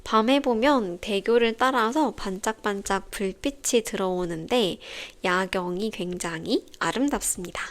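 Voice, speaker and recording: A young woman hosting a podcast for language learners, explaining in a calm, clear, carefully paced scripted way. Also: mid-range voice. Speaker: Korean teacher podcast host.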